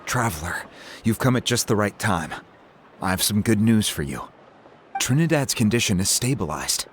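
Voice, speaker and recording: An actor playing a reassuring, thoughtful tribal chief in a video game, explaining things in a composed, formal way. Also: male voice, fairly low pitch, sing-song, normal speed, slight background noise. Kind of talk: video game character dialogue.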